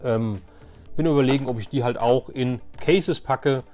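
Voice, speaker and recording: A man's voice: medium pitch, normal speed, darkish tone, faint music behind. A man chatting casually and enthusiastically to viewers as he hosts a video about his collection. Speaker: YouTube toy collector, host.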